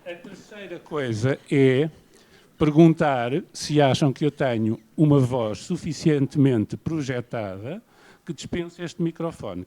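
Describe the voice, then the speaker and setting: A man from Portugal with a European Portuguese accent, giving an academic lecture in a measured, self-deprecating way. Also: medium pitch, dark tone. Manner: measured, self-deprecating, paces around while speaking. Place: lecture hall.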